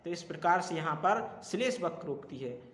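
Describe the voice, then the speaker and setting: Man, grammar teacher, exam-prep lesson, deliberate, repeats key words, roomy echo. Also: on the high side, expressive, a bit bright. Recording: echoey room with long reverb.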